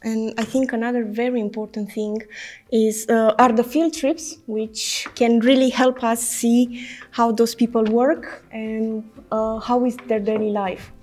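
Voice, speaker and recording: A woman's voice: on the high side, fairly even intonation, measured pace, a little mellow. A woman speaking informally as a participant in a panel discussion.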